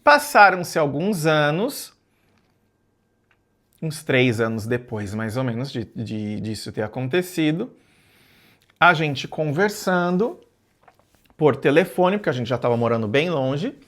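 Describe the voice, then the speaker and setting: A man telling a personal story in a reflective, measured way, often repeating and rephrasing his words. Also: fairly high pitch, sing-song, a bit bright.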